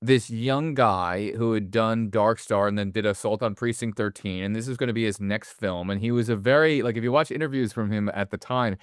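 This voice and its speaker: Low, smooth-voiced man chatting about film. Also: brisk, hardly any pauses, no echo, clean studio sound. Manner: rambling, swears freely, stumbles over restarts. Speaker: podcast co-host. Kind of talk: casual podcast chat about film.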